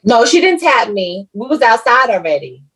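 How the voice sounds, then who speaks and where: A young woman from Texas with a Southern Black American accent, chatting casually and telling a story in a halting, repetitive way. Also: on the high side, big pitch swings, a bit bright, slightly rough. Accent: Southern African American English. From Texas, USA.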